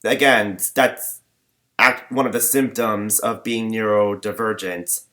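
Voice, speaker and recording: A young man rambling in a personal vlog, talking in a flat monotone with many fillers and false starts. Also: lowish voice, takes it slowly. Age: young adult. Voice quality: limited, flat range. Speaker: vlogger.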